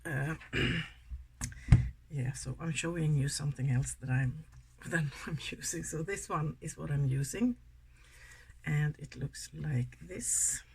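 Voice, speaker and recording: A deep, creaky voice belongs to a Swedish woman in her sixties who vlogs about beauty, chatting in a rambling, soft-spoken way as she does her makeup. She has a Swedish accent and a slow pace, with slight background noise behind her.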